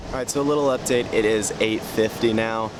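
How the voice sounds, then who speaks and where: Male vlogger, twenties, student athlete, lower register, easygoing and conversational. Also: fairly even intonation, a little fast, loud music behind the voice, poor audio. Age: 20s. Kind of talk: casual vlog to camera.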